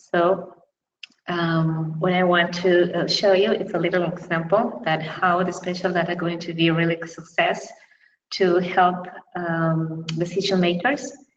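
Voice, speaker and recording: Against audible room echo, a woman with a fairly low pitch speaks at a fairly slow pace. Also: fairly even intonation. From Ecuador. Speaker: biologist and environmental consultant. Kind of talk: webinar presentation. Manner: halting.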